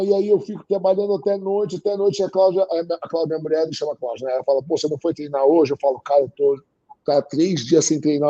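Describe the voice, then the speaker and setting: Interviewed as a guest in casual conversation, a man with a Brazilian Portuguese accent speaks at a fairly high pitch in a dark, mellow tone. Animated and emphatic, he hammers his points home through repetition, and the recording is a little dull and muffled.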